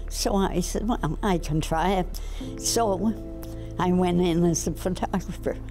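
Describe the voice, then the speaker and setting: Fairly slow speech at a very even loudness, with clear music in the background. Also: woman. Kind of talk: interview answer. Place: hall. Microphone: lapel.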